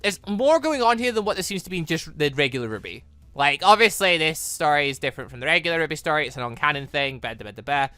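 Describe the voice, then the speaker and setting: A man's voice: a little high, expressive, fast, pushed and bright, clean tone, no room sound. A young man doing casual game commentary, rambling and trailing off into nonsense syllables. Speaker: gaming channel host. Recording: music behind the voice.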